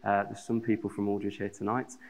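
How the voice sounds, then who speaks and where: Young black country guy preaching, lowish voice, jokey and rambly with lots of ums, big echoey church hall. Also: level tone, a little fast, darkish tone. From West Midlands, England. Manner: chatty, self-deprecating humour with many fillers. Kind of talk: sermon with scripture reading and personal storytelling. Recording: long hall reverb.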